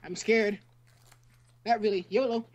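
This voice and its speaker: A woman's voice: mid-range voice, fairly even intonation, unhurried, darkish tone, highs cut off. A woman chatting casually as a guest who reacts to a friend's reading. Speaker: guest co-reader reacting to a story. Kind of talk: casual chat.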